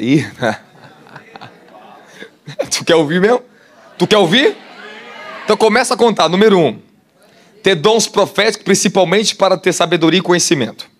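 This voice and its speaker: Brazilian male preacher, fairly high voice, lively sermon delivery with crowd questions. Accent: Brazilian Portuguese. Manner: animated, asks the crowd questions, laughs often. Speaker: apostle preacher. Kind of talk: sermon teaching.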